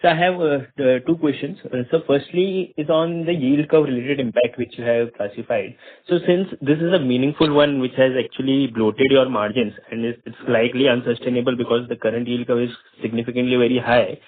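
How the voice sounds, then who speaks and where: A man's voice: mid-range voice, fairly even intonation, brisk, slight background noise. Indian male analyst on tinny phone line. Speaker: analyst asking questions. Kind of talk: conference call questioning.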